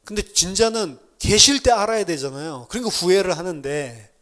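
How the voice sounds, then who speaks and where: A middle-aged man preaches a sermon in church. His voice sits a little high, and he tells his stories in an animated way, often laughing at himself as he goes. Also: a little fast. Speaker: pastor.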